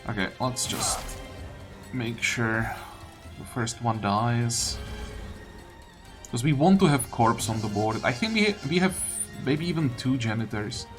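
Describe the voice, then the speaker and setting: A man's voice: mid-range voice, expressive, a little slow. A man giving casual game commentary, thinking aloud through his tactics in loose fragments. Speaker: gaming video creator. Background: game music.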